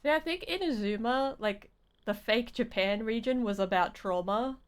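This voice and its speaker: A woman game streamer giving casual live commentary, rambling and halting as she thinks aloud. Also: fairly high pitch, smooth.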